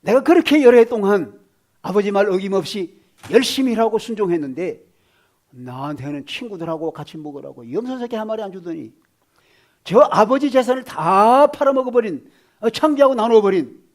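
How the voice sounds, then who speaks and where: A resentful grown son grumbles loudly and indignantly in a fairly high voice, as a preacher acts him out. He sounds bitter and aggrieved. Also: creaky, husky, heavily acted.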